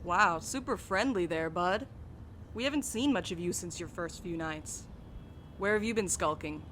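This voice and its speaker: A woman's voice: lowish voice, moderate pace, a bit bright, slight background noise, close to an everyday voice. A woman playing a blunt, bantering mail carrier who is bad with feelings, in an audio drama. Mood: casual, friendly. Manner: blunt, casual, teasing. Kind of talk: naturalistic audio drama dialogue.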